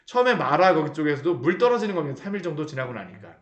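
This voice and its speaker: A man preaches a sermon with a slightly raised pitch, throwing rhetorical questions at his listeners. He brings the sermon to life by acting out the people he talks about. His voice rings through a reverberant church room. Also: very fast. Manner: animated, acts out the people he describes. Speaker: pastor. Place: church sanctuary.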